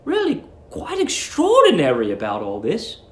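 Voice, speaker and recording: Man playing a polite, puzzled teenage boy, high-pitched. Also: wildly swooping pitch, normal speed. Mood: puzzled, earnest. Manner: hesitant, groping for words. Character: polite, puzzled, earnest seventeen-year-old boy lodger. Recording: roomy echo.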